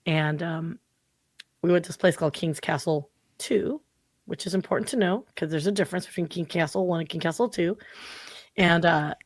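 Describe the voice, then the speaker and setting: On a dry recording, a fairly low-pitched woman in her forties appears as a podcast guest. A marketing consultant by trade, she keeps the interview casual, chatty and animated, dropping in lots of fillers like "like."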